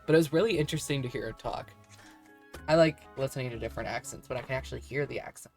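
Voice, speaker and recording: A woman streamer chats casually as she plays a game, rambling and laughing a lot. Her voice is extremely low-pitched with a darkish tone, and she talks rapid-fire. Faint music plays behind her.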